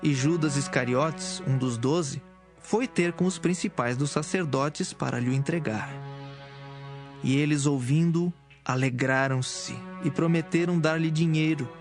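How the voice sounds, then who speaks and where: Casting: man as narrator for a Bible audio drama, lighter-pitched, measured storyteller, over background music. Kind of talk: scripted narration of dramatised scripture.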